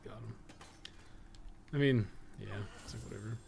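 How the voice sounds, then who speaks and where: A man's voice: medium pitch, normal speed, gravelly, a crowd in the background. A man giving casual, off-the-cuff video game commentary, rambling and thinking aloud with mild swearing. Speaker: podcast co-host playing a video game.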